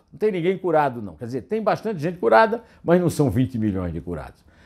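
A man with a dark, mellow tone speaks at a very fast pace over a quiet background. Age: 70s. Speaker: political commentator. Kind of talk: opinion commentary monologue; political commentary to camera. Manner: hesitant with fillers. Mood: critical, animated. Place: home room. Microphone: lapel.

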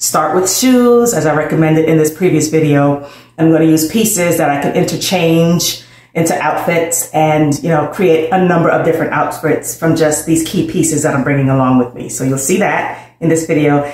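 The voice moves at a moderate pace with ordinary pitch variation, and audible room echo sits over a quiet background. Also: woman, very deep, low pitch for a woman. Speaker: travel vlogger. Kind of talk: casual vlog chat. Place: home room.

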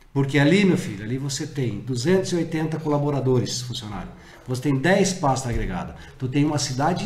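A man with a fairly high voice talks at a fairly quick pace, his pitch varying in an ordinary way, with audible room echo around him. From Lages, Santa Catarina, southern Brazil; Santa Catarina, Brazil. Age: 50s. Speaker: retired military police officer, former municipal environment secretary, pre-candidate; guest. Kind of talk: interview; interview answer. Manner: hesitant, repeats words. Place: studio.

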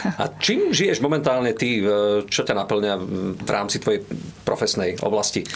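Long, frequent pauses in a man's moderately paced speech. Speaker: podcast host. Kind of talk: podcast interview questions. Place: studio. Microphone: studio mic.

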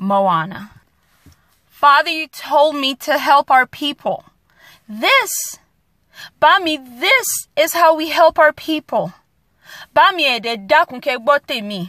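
A put-on character voice in an American accent, fairly slow, with very wide pitch swings and long, frequent pauses. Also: woman, high pitch for a woman.

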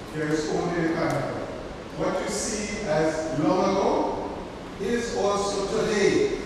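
A man speaks at a very slow pace. Noticeable background noise and strong room echo surround him. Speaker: opening speaker at an exhibition. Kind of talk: formal speech at an exhibition opening. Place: hall.

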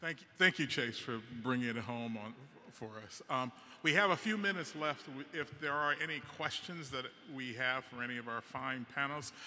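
With light background noise behind him, a man speaks at a moderate pace with ordinary pitch variation. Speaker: theatre company artistic director and event host; event host. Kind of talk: event welcome and moderation. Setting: stage with audience at a podium. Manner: formal. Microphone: handheld.

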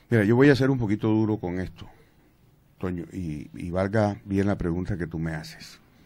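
This man has a dark, mellow tone and a fairly low pitch. He speaks at a moderate pace with ordinary pitch variation. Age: 50s. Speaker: public auditor official; radio interviewee. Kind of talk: radio interview. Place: studio. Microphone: studio mic.

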